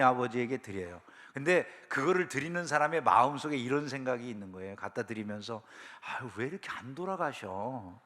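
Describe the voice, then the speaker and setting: A man's voice: mid-range voice, a bit bright, long reverb tail. A man preaching a sermon as a pastor, in a conversational style with frequent rhetorical questions to the congregation. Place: church sanctuary.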